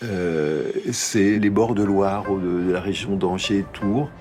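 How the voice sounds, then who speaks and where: A man's voice: sits low, slow, darkish tone, soft background music. A man giving an unscripted explanation in an interview, often searching for his words. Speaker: interviewed expert.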